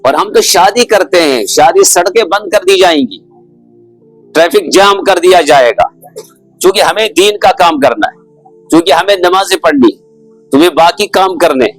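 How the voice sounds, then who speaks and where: A man's voice: sits high, moderate pace, soft background music, low-quality recording. A man preaching as a Muslim cleric, explaining rulings in a didactic way with repetition and rhetorical questions. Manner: didactic, repeats phrases and asks rhetorical questions. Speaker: Muslim cleric (mufti) giving religious instruction. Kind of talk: sermon, explaining religious rulings with stories.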